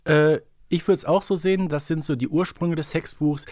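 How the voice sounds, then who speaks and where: A man's voice: fairly high pitch, steady tone, normal speed, a little mellow, no room sound, clean studio sound. A man co-hosting a podcast, talking conversationally and a little wryly in a casual discussion. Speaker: podcast co-host.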